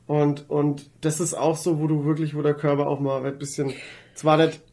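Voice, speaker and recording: Man with fairly high, unhurried casual voice. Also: level tone, darkish tone. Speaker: podcast guest. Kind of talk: casual podcast chat.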